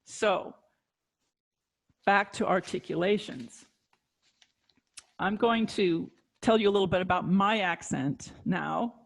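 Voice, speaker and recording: A woman's voice: medium pitch, slow pace, vocal fry, pauses often. A woman teaching saxophone on a video call, explaining at an easy pace with ums and restarts. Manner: relaxed explaining with fillers and restarts. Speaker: saxophone instructor. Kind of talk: online music lesson.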